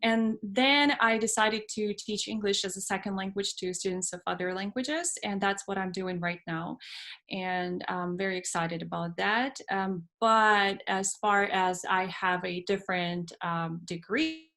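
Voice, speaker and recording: A woman with a Ukrainian accent answers interview questions as an English teacher. Her voice sits at an average pitch. She speaks earnestly and deliberately, often repeating phrases. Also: fairly bright tone.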